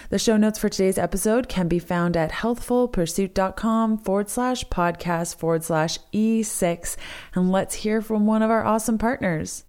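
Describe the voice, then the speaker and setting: A young adult woman with a hoarse, strained voice, hosting a solo podcast in an upbeat, enthusiastic way. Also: mid-range voice, normal speed, a little mellow. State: hoarse, lost her voice. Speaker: podcast host. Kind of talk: solo podcast chat with sponsor reads.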